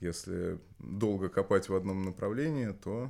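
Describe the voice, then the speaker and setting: In a very clean recording with a silent background, a man talks at a fairly slow pace with a very deep, low pitch, a dark, mellow tone, and ordinary pitch variation. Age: 30s. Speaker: former banker turned party organizer. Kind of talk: casual chat.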